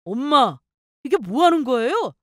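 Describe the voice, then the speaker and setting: A protective young husband, voiced by a woman narrator talks back to his mother in a firm, reproachful way. His tone is earnest and lively, with a fairly high, dry story-radio sound. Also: measured pace, no echo, exaggerated voice.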